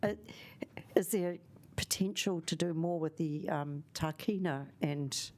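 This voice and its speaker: A woman's voice: low-pitched, measured pace. A woman councillor asking a question tentatively, thinking aloud as she goes. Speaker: city councillor.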